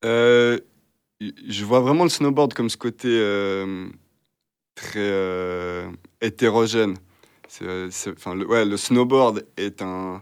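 A man's fairly low voice at a very slow pace, with long, frequent pauses, big swings in loudness and ordinary pitch variation, on a very clean recording with a silent background. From French-speaking Switzerland, near Nyon (Vaud). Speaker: filmmaker and snowboarder. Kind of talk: interview. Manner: hesitant, frequent fillers.

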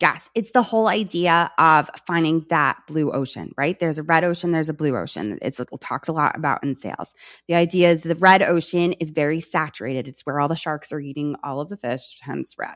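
A woman with a New York accent talks at a fairly quick pace with hardly any pauses, her pitch very deep and low with ordinary variation. The recording is very clean, with a silent background. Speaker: content strategist and former teacher. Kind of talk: interview. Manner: fast.

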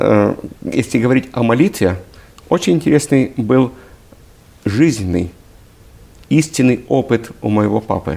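A man's medium-pitched voice at a very slow pace, with lively intonation and long, frequent pauses. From Ukraine, Mykolaiv. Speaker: churchgoer sharing prayer testimony. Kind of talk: testimony.

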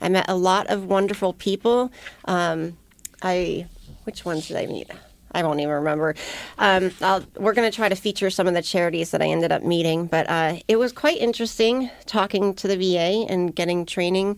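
With an American accent, a woman talks at a moderate pace in an unremarkable speaking voice, her medium pitch rising and falling in an ordinary way. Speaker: radio host. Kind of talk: radio talk show hosting and interview. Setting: studio.

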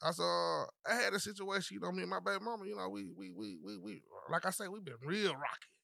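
On a very clean recording with a silent background, a man speaks very fast in a bright, sharp tone, his fairly high pitch swinging very widely. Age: 40s. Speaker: podcast guest, father. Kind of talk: casual chat.

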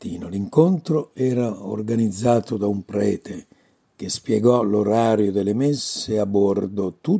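In a plain reading aloud, the pitch shifts by an ordinary degree.

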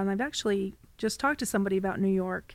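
In an ordinary speaking voice, a woman talks at a medium pitch with fairly even intonation, recorded very cleanly against a silent background. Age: 50s. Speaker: kindergarten teacher and city council candidate. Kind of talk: casual chat.

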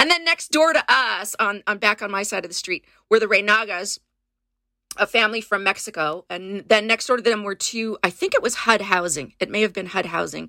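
Quick and lively, a woman speaks at a medium pitch in a Californian accent, her bright, sharp tone captured dry and close with no echo. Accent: general American, Californian. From Central California. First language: Spanish. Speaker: actor and theater artist. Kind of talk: interview conversation. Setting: remote call.

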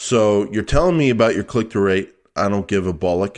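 Against a quiet background, a man talks at a fairly quick pace in an ordinary speaking voice with lively intonation. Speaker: podcast host. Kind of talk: podcast Q&A, giving advice. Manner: light-hearted, joking.

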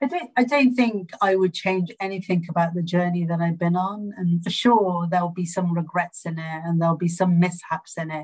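A woman with a fairly low pitch and a somewhat breathy voice talks with hardly any pauses. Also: ordinary pitch variation, moderate pace. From England, Coventry. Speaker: business executive. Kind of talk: interview.

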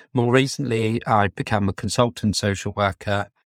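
A man with a British accent speaks at a moderate pace and a fairly low pitch, with ordinary pitch variation, in a dry, close sound with no echo on a very clean recording with a silent background. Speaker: social worker and podcaster. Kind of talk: solo podcast monologue.

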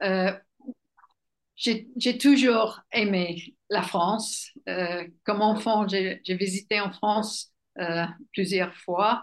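A woman at a medium pitch speaks at a very slow pace with fairly even intonation. Long, frequent pauses break up her speech. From England. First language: English (speaking French). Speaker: equestrian judge and riding instructor. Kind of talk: casual interview. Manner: halting.

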